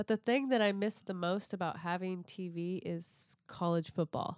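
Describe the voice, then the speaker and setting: A woman speaks at a moderate pace and medium pitch in a plain, everyday voice. The recording is very clean, with a silent background and a dry, close sound with no echo. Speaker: boxing coach. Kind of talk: casual chat. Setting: studio.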